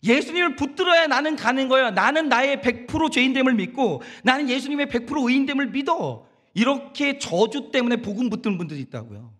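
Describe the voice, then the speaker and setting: A man's voice: extremely high pitch, fairly bright tone. A man preaching a Sunday sermon as pastor, emphatic and direct, asking the congregation rhetorical questions. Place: church sanctuary.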